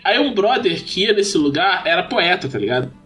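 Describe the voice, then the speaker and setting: A man hosting a podcast, telling stories in a casual, animated way and laughing often. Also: high voice, brisk, soft background music. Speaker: podcast host. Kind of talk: casual chat. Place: lives in São Paulo.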